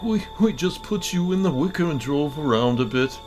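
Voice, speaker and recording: A man's voice: on the high side, lively intonation, moderate pace, a little mellow, faint music behind, close to an everyday voice. A man voicing a dim, stammering accomplice in a dramatized horror story. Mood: amused, explaining. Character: nervous, dim male accomplice in a prank.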